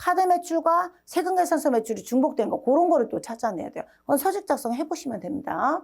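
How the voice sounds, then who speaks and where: On a very clean recording with a silent background, a woman's dark, mellow voice moves at a fairly quick pace with lively intonation. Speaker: tax accountant teaching exam course. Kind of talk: lecture. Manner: fast, tongue-tripping at times; many fillers and self-corrections.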